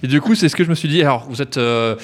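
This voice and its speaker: A man's voice: medium pitch, very fast. A man hosting a radio interview on location, asking questions with frequent fillers. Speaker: radio host. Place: nursing home.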